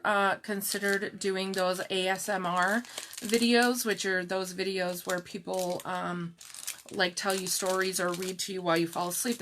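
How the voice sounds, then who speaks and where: A calm, soft-spoken middle-aged woman chats slowly during a live-stream jewelry showcase, answering viewers by name. Her voice is medium in pitch.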